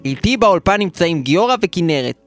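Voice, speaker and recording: A man playing an earnest, slow-speaking talk show host in a comedy sketch. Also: high voice, big pitch swings, a bit bright, soft background music, heavily acted.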